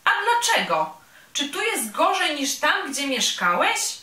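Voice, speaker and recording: A woman's voice: wildly swooping pitch, unhurried, full character voice. A woman doing a tiny mocking insect girl. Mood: teasing. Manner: high, bright, mocking. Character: tiny vain female insect, teasing and boastful. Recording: roomy sound from a distant mic.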